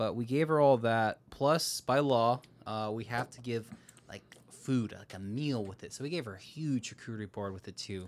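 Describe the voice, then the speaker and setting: A man with an American accent speaks in an unremarkable speaking voice at medium pitch and a moderate pace. His pitch variation is ordinary, while his loudness swings widely. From US West, Las Vegas. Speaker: bar owner. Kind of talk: casual chat.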